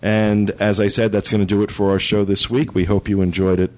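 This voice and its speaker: A man hosting a podcast in a relaxed, chatty way, with frequent stumbles and restarts. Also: lowish voice, fairly quick. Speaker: podcast host. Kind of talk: casual podcast chat.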